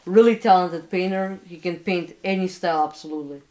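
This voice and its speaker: A man's voice: sits high, brisk, darkish tone. A man from Canada giving casual, reflective answers as an interview guest. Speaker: interview guest, musician and painter.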